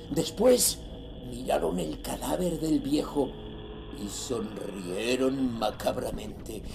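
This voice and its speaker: An actor from playing a ruthless sea trader, narrating his grim confession slowly and gravely in a horror audio drama. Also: mid-range voice. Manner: slow, grave, dramatic delivery.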